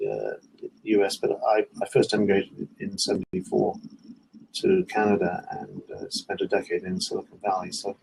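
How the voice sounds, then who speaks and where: An older man from the UK, a guest on a live stream chat, asking questions with halting restarts. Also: low voice, vocal fry, a little mellow, husky, poor audio. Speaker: guest caller. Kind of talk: casual chat. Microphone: video call.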